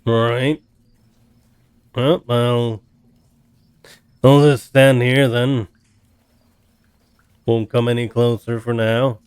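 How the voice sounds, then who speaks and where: A man voicing a cautious, placating adventurer who talks haltingly in a tabletop game. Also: medium pitch, darkish tone, clean tone, no room sound. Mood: resigned. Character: cautious, conciliatory adventurer addressing a dragon.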